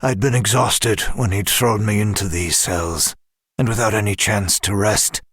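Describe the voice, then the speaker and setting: Deep, weary, tormented demon narrator. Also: male voice, steady tone, fairly bright tone, slightly rough, no echo, studio quality, full character voice. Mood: weary anguish. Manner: grave, measured, halting, dramatic. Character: broken, weary male demon, tormented and self-loathing. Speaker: first-person narrator. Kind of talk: scripted horror audio drama narration.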